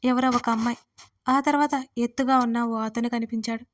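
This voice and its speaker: A woman storyteller reading a scripted audio story in a steady, even way. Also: on the high side, moderate pace.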